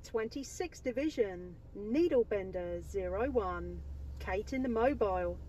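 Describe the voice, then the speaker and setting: A woman's voice: medium pitch, animated, measured pace, rough recording. An enthusiastic woman, making radio contact as a CB operator from inside a car. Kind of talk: radio contact chat with call signs.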